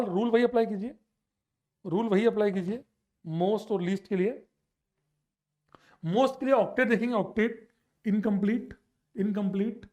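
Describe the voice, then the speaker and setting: A male chemistry teacher lecturing for an exam-prep class, his voice sitting high and lively. He talks with teasing energy, switching between Hindi and English as he works through problems.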